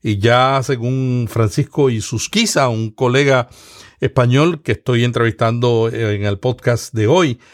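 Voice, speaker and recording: A man from Latin America hosts a podcast conversation at a mid pitch. He explains at length in a measured, steady way, often restarting a phrase before finishing it. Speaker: podcast host.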